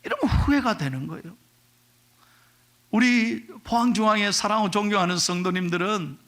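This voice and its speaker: A middle-aged man preaching a sermon to his congregation, animated, dropping to a whisper for emphasis and acting out the voices he quotes. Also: sits high, creaky. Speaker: pastor.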